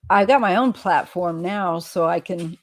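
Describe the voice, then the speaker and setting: A woman's voice: on the low side, measured pace. An older woman hosting a casual live chat, encouraging her guest with frequent affirmations. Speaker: host.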